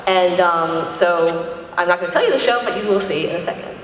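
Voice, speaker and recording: A woman's voice: fairly low pitch, fairly quick. A woman talking casually as a panelist at a convention. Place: large indoor convention panel room. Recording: distant, very echoey hall, faint noise.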